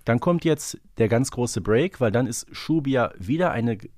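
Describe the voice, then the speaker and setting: A man's voice: medium pitch, expressive, moderate pace, a little mellow, no room sound, clean studio sound. A man co-hosting a podcast in casual discussion, thinking aloud in a reflective, hesitant way. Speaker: podcast co-host. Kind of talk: casual discussion of an audio drama series.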